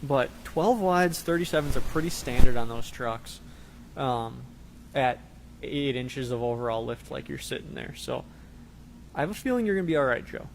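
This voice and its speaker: A man's voice: medium pitch, animated, moderate pace, vocal fry, a little hiss or hum. A man co-hosting a live show, talking casually and rambling with fillers. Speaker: co-host of a live truck parts show. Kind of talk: casual chat.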